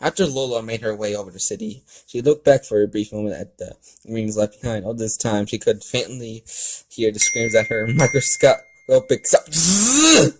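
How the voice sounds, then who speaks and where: A man with a lowish voice reads a story aloud as an amateur. His delivery is halting and stumbles over words. He talks in a casual, unpolished way, like someone commenting as he reads. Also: lively intonation, poor audio. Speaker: fan fiction reader and commentator.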